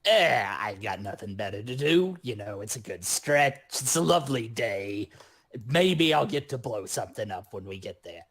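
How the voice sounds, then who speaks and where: A man's voice: lowish voice, lively intonation, normal speed, fairly bright tone, husky, exaggerated voice. A man voicing a cheeky, wisecracking goblin demolitionist in a tabletop role-playing game, flippant and casual.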